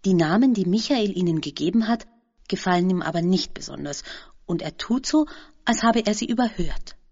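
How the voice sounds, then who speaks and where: A woman reading a children's story aloud as narrator, in a calm storytelling manner. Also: medium pitch, moderate pace, slightly rough, dull audio.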